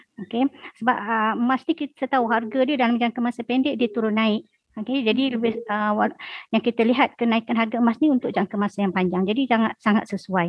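Fairly high in pitch, a woman talks in a plain, everyday voice at a fairly quick pace, with fairly even intonation. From Selangor, Malaysia. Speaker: schoolteacher and gold dealer. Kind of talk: podcast interview.

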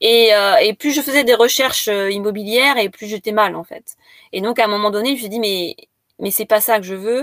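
A woman with an unremarkable speaking voice talks at a moderate pace and a fairly high pitch, with ordinary pitch variation and big swings in loudness, in a dry, close sound with no echo. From western France, Loire-Atlantique. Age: 40s. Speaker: home tutor and van dweller. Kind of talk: casual interview. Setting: video livestream from her van.

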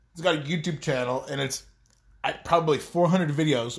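A man with an American accent speaks in a somewhat breathy, fairly high voice. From US Midwest. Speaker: podcast host. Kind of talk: casual solo monologue.

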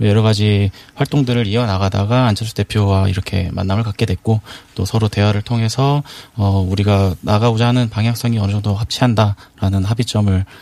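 In a dry, close sound with no echo, a man with a fairly low pitch talks at a fairly quick pace with fairly even intonation. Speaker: politician. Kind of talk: panel discussion. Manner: halting.

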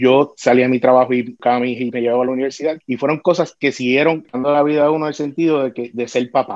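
Very fast speech comes out with fairly even intonation. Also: man. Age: 40s. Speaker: father sharing life story. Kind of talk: interview testimony.

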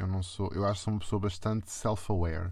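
A man with a European Portuguese accent speaks in a very deep, low voice over a completely silent background on a very clean recording. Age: 20s. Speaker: podcast host. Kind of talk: personal monologue. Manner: hesitant, with fillers.

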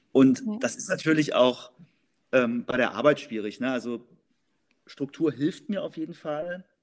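A man at a fairly slow pace, with lively intonation, long, frequent pauses and big swings in loudness. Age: 30s. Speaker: psychotherapist. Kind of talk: casual interview.

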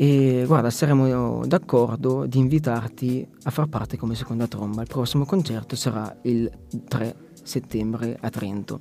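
Music plays in the background while a man speaks at a medium pitch. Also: ordinary pitch variation. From northern Italy, Lombardy (Crema area). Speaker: trumpet player and music teacher. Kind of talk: interview, casual conversation. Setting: live stream.

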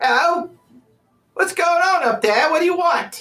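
Someone uses a put-on character voice at an extremely high pitch. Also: moderate pace. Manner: goofy, calling up from a pit.

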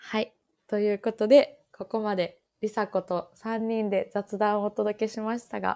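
A woman speaks at a fairly slow pace in a dark, mellow tone with fairly high pitch and flat, monotone intonation, on a very clean recording with a silent background. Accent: Kansai. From Kansai, Japan. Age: 20s. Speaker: podcast co-host. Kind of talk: casual chat.

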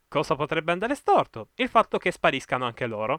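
Lively intonation marks this man's fairly high voice. He talks at a fairly quick pace. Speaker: podcast host, video game reviewer. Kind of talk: casual solo podcast monologue. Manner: animated, hyperbolic.

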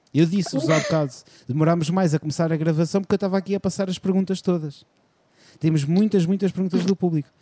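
With a dry, close sound and no echo, a man speaks in a high-pitched voice with a dark, mellow tone and ordinary pitch variation. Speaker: podcast host interviewing school students. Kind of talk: casual chat. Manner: animated.

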